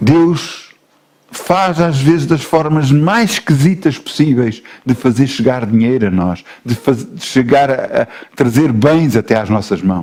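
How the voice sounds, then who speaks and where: With a European Portuguese accent, a man speaks at a fairly slow pace in a medium pitch, his intonation lively. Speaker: pastor. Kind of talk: sermon.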